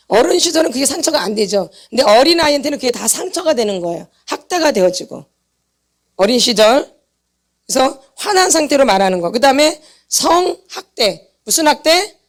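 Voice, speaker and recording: High-pitched woman preaching emphatically. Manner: emphatic, repeats points and quizzes the audience for answers. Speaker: pastor's wife teaching a healing seminar. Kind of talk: church seminar preaching. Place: church meeting hall.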